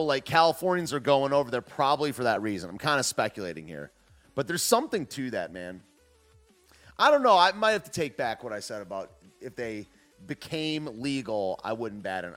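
A man hosts a casual livestream, joking and rambling through his commentary. His pitch swings widely as he talks, and his voice sits at a middling height. Faint music plays underneath him. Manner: joking, rambling, trails off and restarts. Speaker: livestream host. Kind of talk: casual commentary, reading chat.

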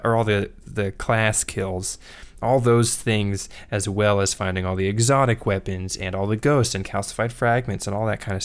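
A man co-hosting a casual gaming podcast, speaking in a hesitant way with fillers and self-corrections. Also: on the low side. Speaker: podcast co-host.

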